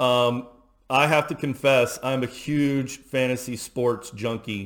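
At a very slow pace, a man talks in a medium pitch with an American accent. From Texas (Houston). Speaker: web developer and podcaster. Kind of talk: casual interview. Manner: halting, many fillers and repetitions.

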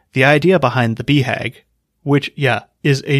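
A man's plain, everyday voice at a fairly high pitch and moderate pace, dry and close with no echo, in a very clean recording with a silent background. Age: 30s. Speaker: podcast host. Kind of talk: solo educational podcast.

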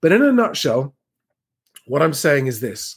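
On a very clean recording with a silent background, a man speaks in a southern English accent at a moderate pace. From England, Sussex. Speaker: property market commentator and estate agency founder. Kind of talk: impromptu live stream commentary. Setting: live stream with screen share. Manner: animated.

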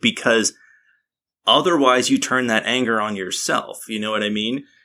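In an American accent, a bright, sharp voice speaks with fairly even intonation on a very clean recording with a silent background. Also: man. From West Virginia (Parkersburg). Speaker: podcast co-host. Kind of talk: casual chat.

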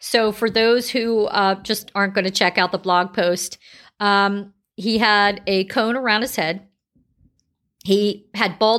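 A woman with a normal speaking voice talks at a fairly slow pace and medium pitch with fairly even intonation, on a very clean recording with a silent background. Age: 50s. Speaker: podcast host and dog sanctuary caretaker. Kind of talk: solo podcast monologue. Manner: casual, with many fillers.

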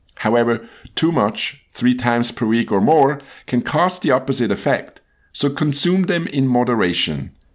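Medium pitch from a man at a moderate pace, in a very clean recording with a silent background. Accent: non-native. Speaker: podcast host, traditional Chinese medicine chef. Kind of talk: scripted narration.

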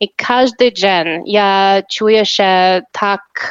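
A woman with an English accent speaks at a medium pitch with ordinary pitch variation, the sound dry and close with no echo against a quiet background. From US, Colorado. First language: English (speaking Polish). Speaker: diplomat. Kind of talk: interview. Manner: halting, many fillers.

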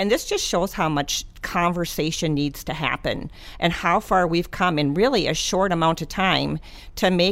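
A woman's normal speaking voice, fairly low in pitch, with ordinary pitch variation and a fairly slow pace. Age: 50s. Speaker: breast cancer survivor and mentor. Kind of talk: interview.

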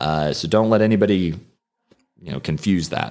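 A man talks with vocal fry. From United States. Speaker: chess player. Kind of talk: casual interview. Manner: loud; animated.

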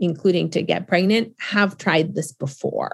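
A woman's fairly low voice with vocal fry, ordinary pitch variation, and a moderate pace. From Argentina (Buenos Aires), raised in US from fourth grade. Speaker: physician, obesity medicine specialist. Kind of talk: interview conversation.

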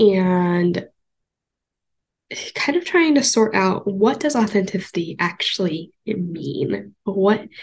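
Somewhat breathy, a woman of medium pitch speaks at a very slow pace with ordinary pitch variation. Her speech has long, frequent pauses. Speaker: podcast host, knitting pattern designer. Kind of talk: casual podcast monologue. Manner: casual, many filler words.

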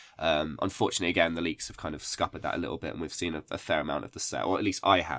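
Very fast and with hardly any pauses, a man talks at a very deep, low pitch in a bright, sharp tone, his loudness swinging widely. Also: fairly even intonation. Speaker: podcast co-host. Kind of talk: casual chat. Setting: boat, shared mic. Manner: soft-spoken.

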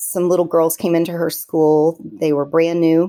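In a very clean recording with a silent background, a woman with a Kentucky accent speaks at a very deep, low pitch in a dark, mellow tone. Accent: Kentucky Southern American. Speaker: bereaved mother and nurse. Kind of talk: personal testimony interview.

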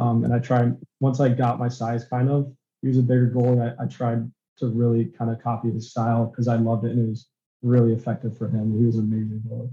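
A man's very fast, flat, monotone delivery with an American accent, somewhat breathy and dark, mellow in tone. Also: medium pitch for a man. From Michigan. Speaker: college lacrosse goalie. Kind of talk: interview.

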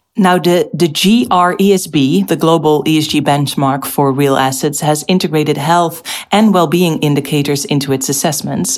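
A woman speaks at a fairly slow pace with a very deep, low pitch. Her pitch variation is ordinary and her loudness very even. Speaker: podcast interviewer. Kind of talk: interview.

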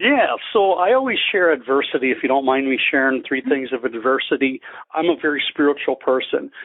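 Loudness held very even, a man talks at a fairly quick pace in a fairly high pitch with ordinary pitch variation. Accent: Upper Midwest. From Wisconsin, US Midwest. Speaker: business founder. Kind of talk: interview. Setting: remote call.

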